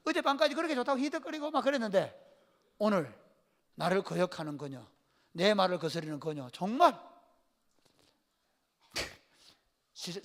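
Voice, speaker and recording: Lively high-voiced pastor with a Gyeongsang accent. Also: male voice. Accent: Gyeongsang Korean. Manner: lively storytelling, calls on listeners by name; colloquial, jokes with the congregation. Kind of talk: sermon.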